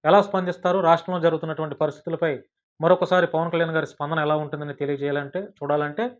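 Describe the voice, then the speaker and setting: A man's voice: fairly high pitch, steady tone, racing. A man with a Telugu accent presenting political news commentary, addressing viewers formally and with emphasis. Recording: dull, lo-fi sound.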